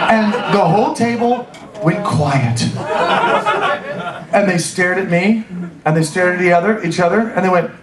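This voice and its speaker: A man's voice: high-pitched, a little slow, long pauses, over a noisy crowd. A man hosting a convention panel, telling comedic stories and acting out quoted voices. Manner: animated, mimics voices in quoted dialogue. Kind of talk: comedic storytelling to a live audience. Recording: echoey room with faint ambience.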